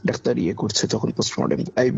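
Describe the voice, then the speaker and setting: This man, a podcast guest with a Kolkata Bengali accent, shares a ghost story from his own life in a husky, gravelly, lowish voice that's a little mellow and quick-paced. He's conversational and dramatic, leaning on repeated phrases for emphasis, with dull lo-fi audio beneath background music.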